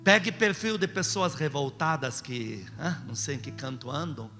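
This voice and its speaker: Music and long reverberation fill the hall as a man with a Brazilian accent preaches a call-and-response sermon, emphatic and full of exhortation and rhetorical questions. His slightly high voice moves at a moderate pace, with lively intonation and a sharp tone.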